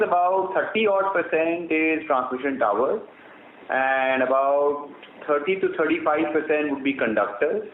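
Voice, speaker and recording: A man with an Indian accent answering as a company executive on an earnings call, formal and measured, with hesitant phrasing. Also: fairly high pitch. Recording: roomy, band-limited phone line with noise.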